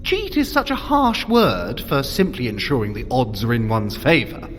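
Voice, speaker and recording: A man's voice: mid-range voice, big pitch swings, moderate pace, a bit bright, slight background noise. A man playing a sly, vain trickster god in an audio drama, theatrical and glib. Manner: theatrical, glib, self-justifying.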